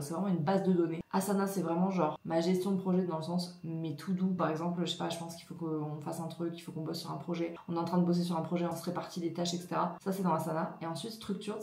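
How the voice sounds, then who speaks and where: A woman's voice: on the low side, darkish tone. A woman vlogging casually to camera, chatty and enthusiastic, filming at home and in the office. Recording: roomy echo.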